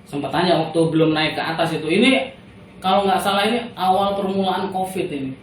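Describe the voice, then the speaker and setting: A man's voice: high voice, brisk, a little hiss or hum. A man from Indonesia, casually telling a story as a guest and acting out the dialogue with laughter. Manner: animated, laughing, acts out dialogue. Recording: roomy echo from far off.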